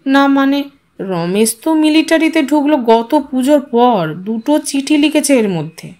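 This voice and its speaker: A woman acts a humble village father in an audio story, grieving and middle-aged. He falters softly, slow and unsure of each answer. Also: high-pitched, lively intonation. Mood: halting, unsure.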